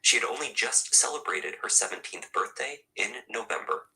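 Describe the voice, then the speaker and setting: A man narrating a true crime video in a measured, scripted storytelling delivery. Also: medium pitch, gravelly, bright, forceful tone, a little hiss or hum, rough recording.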